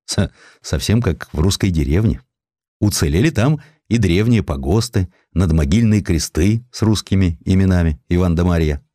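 Deep-voiced, expressive male audiobook narrator. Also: no echo, studio quality. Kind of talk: dramatized literary narration of a historical sketch.

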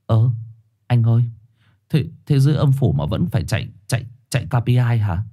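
A man's voice: mid-range voice, very animated, brisk, mellow. A man voicing a timid young male stray dog who pleads and stammers.

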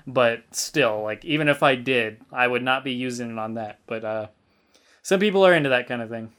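A young man hosts a casual gaming podcast, rambling loosely with fillers and the occasional swear. His voice is clean and resonant. His pitch sits in the middle of the range. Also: moderate pace, fairly bright tone, clear, resonant tone. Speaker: podcast host.

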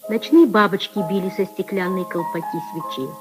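A woman narrating a classic story in measured, lyrical phrasing. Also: medium pitch, poor audio. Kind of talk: scripted literary narration. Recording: old radio recording with music.

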